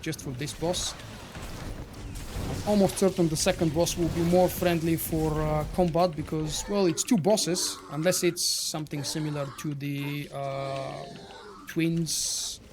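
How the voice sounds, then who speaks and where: Male game streamer, Bulgarian accent, easygoing, chats to his audience mid-play, pitch a touch high. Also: measured pace, background noise. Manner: relaxed, rambling, answers chat between fights. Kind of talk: live gameplay commentary, chatting with viewers.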